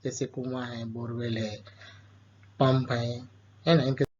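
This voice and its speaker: Teacher asking himself questions, lo-fi. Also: male voice, medium pitch, level tone, slow pace, a little mellow, slight background noise. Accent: Urdu-speaking Indian. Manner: asks questions and answers them himself. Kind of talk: explaining a school chapter to children. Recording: dull lo-fi sound.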